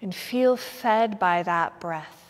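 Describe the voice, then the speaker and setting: Woman doing guided yoga meditation, really slow and gentle, long echoey reverb on her voice. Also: mid-range voice. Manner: soothing, gentle, unhurried guiding with pauses. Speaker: yoga nidra teacher.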